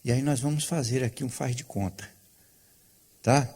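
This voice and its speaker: A man's voice: mid-range voice, fairly even intonation, normal speed, warm tone, slightly rough. A male pastor preaching a sermon, telling a story with rhetorical questions to the congregation.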